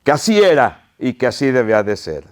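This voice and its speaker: A man's voice: medium pitch, very animated, fairly quick. A pastor preaching an impassioned sermon to his congregation, crying out pleas and calling them his brothers.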